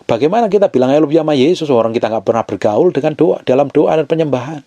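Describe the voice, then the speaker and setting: Lively man preaching with a mellow voice. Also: fairly high pitch, fast, dry recording, dull audio. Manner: lively, playful preaching with acted-out quotes and rhetorical questions. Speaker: pastor. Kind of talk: sermon.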